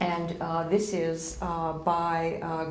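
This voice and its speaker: A woman talks with a fairly low pitch. Noticeable background noise sits behind her. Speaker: auction house art specialist giving a talk. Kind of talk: lecture to an audience about artworks. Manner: conversational, hesitant with fillers.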